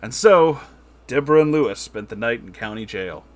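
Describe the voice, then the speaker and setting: A man's voice: medium pitch, expressive, moderate pace. A man narrating a comedic story as host, with an emphatic, dramatic storytelling delivery.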